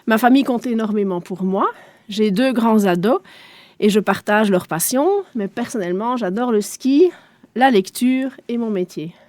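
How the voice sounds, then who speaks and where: A woman's voice: mid-range voice, normal speed, a little mellow, no room sound. Businesslike woman, German native, dry studio. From eastern Belgium. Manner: composed, businesslike, explains with figures. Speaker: guest, shopping centre director. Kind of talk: radio interview answers.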